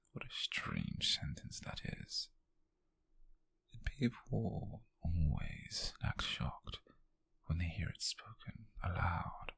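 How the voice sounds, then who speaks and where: A British man playing a possessive, obsessive, smug wealthy captor in an intimate ASMR roleplay, husky and whispery, speaking softly and deliberately close to the mic. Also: low voice, dry recording, full character voice. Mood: cold, unrepentant. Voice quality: breathy, husky, gravelly whisper. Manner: slow, deliberate, menacingly soft. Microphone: close microphone, dry.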